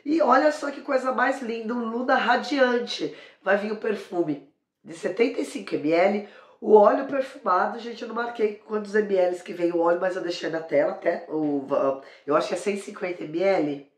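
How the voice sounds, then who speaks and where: She's a hoarse São Paulo woman with a cold, a beauty vlogger and sales consultant doing a chatty, casual product review to camera while poking fun at her own voice and saying "gente" again and again. Her pitch sits in the middle and she talks at a normal speed. The setting is a small, echoey indoor room with a brick wall.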